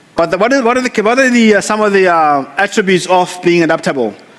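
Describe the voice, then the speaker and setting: Against noticeable background noise, a man with a South African accent talks at a very fast pace with lively intonation. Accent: South African twang. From South Africa, Free State. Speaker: motivational speaker, former pastor. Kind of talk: motivational talk.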